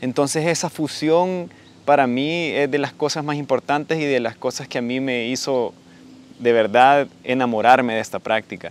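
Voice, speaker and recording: The man's voice sits at a medium pitch and moves at a moderate pace. The sound is dry with no echo. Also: ordinary pitch variation. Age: 30s. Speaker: capoeira practitioner. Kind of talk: interview testimony. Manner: halting. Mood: warm, reflective. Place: garden.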